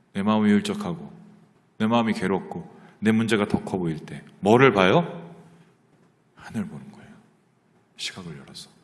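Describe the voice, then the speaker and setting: A male pastor giving a Sunday sermon in a church sanctuary, telling stories animatedly and moving between hushed and loud passages. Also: sits low. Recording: long church reverb.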